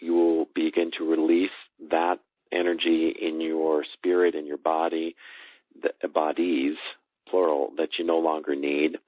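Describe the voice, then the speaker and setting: A man explaining things earnestly as a spiritual coach, in measured short phrases over a call line. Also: a bass voice, little pitch movement, dry recording. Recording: muffled phone-like call audio.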